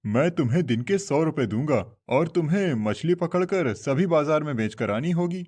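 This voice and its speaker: A man's voice: fairly high pitch, lively intonation, moderate pace, a little mellow, breathy edge. A man voicing a stern older village boss in a cartoon, talking in a bossy, scolding way. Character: stern older male fish-pond boss. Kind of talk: Hindi cartoon voice acting.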